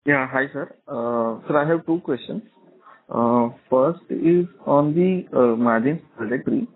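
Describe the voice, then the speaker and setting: A man's voice: mid-range voice, measured pace. A man, a financial analyst, politely putting a two-part question to management on an earnings call, restarting words as he goes. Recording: tinny conference-call phone line.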